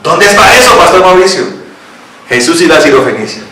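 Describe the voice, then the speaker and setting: A male pastor preaching in a lively way, throwing questions out to the congregation and reading scripture aloud. His voice sits fairly high for a man. It rings around a very echoey church hall, picked up from some distance with faint noise behind. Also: fairly quick. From Colombia. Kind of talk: sermon.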